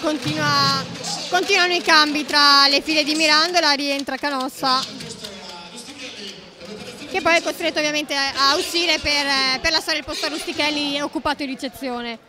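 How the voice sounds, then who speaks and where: A woman's voice: high-pitched, fairly even intonation, moderate pace, music in the background. A woman giving live play-by-play commentary on a volleyball match.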